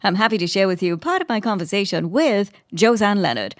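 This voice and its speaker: Lively woman radio host. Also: medium pitch, fairly quick, dry recording, clean studio sound. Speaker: radio host and podcast interviewer. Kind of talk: scripted narration and interview.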